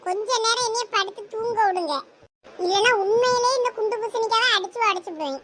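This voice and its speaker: A voice actor doing a squeaky lazy cartoon brother. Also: fairly quick, heavy background noise. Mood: sarcastic. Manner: sleepy, grumbling, sarcastic. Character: lazy grumpy young man, older brother. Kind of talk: cartoon voice acting.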